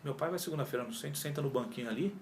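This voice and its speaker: A man's voice: a little high, very fast, a little hiss or hum. A man, telling his story as an interview guest, acting out past conversations and using lots of slang. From Brazil. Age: 40s. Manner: animated storytelling, acts out his own past dialogue, heavy slang. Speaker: yoga teacher, interview guest. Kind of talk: casual interview chat. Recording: echoey room with faint ambience.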